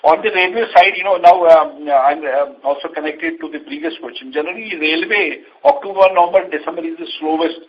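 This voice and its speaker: A man with an Indian accent, an executive giving unscripted answers on an earnings call in a halting way, often repeating phrases. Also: fairly high pitch, slightly rough. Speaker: company executive answering investor questions. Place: conference call line. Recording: dull lo-fi conference call audio.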